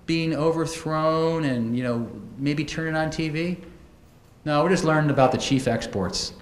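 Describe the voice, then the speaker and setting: Middle-aged man speaking in echoey hall. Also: medium pitch. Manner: conversational storytelling with asides. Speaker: keynote speaker. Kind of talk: conference keynote talk. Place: conference auditorium at a podium. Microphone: podium microphones. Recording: echoey auditorium, faint noise.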